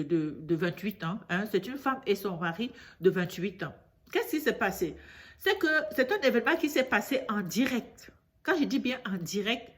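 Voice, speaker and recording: A woman with a cold telling a news story to her viewers in a chatty way. She often repeats herself and grows indignant as she lectures. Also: mid-range voice. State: congested from a cold. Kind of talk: casual storytelling monologue to camera.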